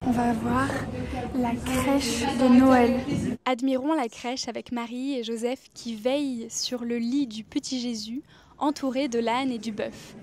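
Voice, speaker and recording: A woman's voice: a little high, background noise. A woman vlogger giving a casual walking tour in French, explaining sights as she goes. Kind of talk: casual vlog narration. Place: outdoors on city streets.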